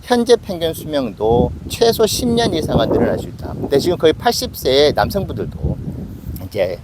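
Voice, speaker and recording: Casual investing host, man in his late forties, lively delivery. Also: fairly high pitch, moderate pace, very noisy. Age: 40s. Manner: conversational, self-questioning with acted asides. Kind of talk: casual investing talk to camera.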